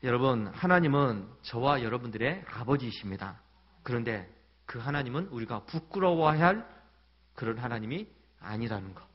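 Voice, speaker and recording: A man's voice: medium pitch, animated, normal speed, lo-fi sound. A man preaching a Sunday sermon as a pastor in a church, in a conversational storytelling manner with light humor. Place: church sanctuary.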